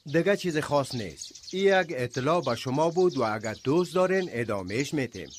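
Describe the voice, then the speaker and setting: An actor playing a practical, modest village mullah in a radio drama, matter-of-fact, with an Afghan accent. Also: male voice, medium pitch, lively intonation, a little hiss or hum, lightly acted.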